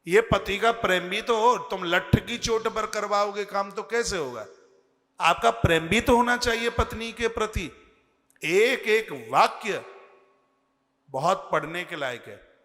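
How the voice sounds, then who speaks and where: A man preaching a devotional sermon, speaking slowly and earnestly and chanting scripture verses. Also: sits high, fairly bright tone, long reverb tail. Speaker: religious preacher.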